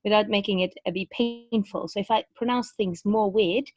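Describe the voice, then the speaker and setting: A woman's voice: medium pitch, fairly even intonation, normal speed, a little mellow, dry recording. Norwegian lady vocal coach on a video call, chatty, lots of ums, dry close sound. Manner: chatty, many fillers and restarts. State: speaking around a bitten tongue. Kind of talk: webinar teaching.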